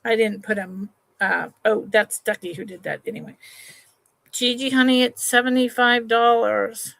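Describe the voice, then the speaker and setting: A woman hosting a live jewelry sale, chatting in an unhurried way, trailing off and restarting her sentences, and calling viewers honey and sweetheart. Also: a little high, steady tone, creaky, a bit bright. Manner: affectionate to viewers, calls them honey and sweetheart. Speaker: live sale host selling vintage jewelry. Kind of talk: slow, relaxed live-stream sales chat.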